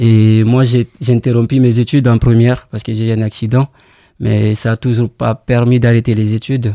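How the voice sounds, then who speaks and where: In a dry, close sound with no echo, a man of medium pitch and a dark, mellow tone speaks at a moderate pace in a monotone, flat intonation. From Guinea. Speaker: student, former unaccompanied minor. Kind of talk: testimony.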